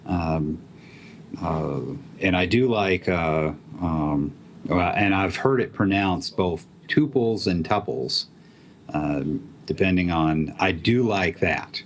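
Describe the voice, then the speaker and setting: A man with a very low voice chats casually about programming. He talks haltingly, with lots of ums and restarts. There is a faint hiss of noise in the background. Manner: halting, many fillers and restarts. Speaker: app developer guest. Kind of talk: casual tech chat.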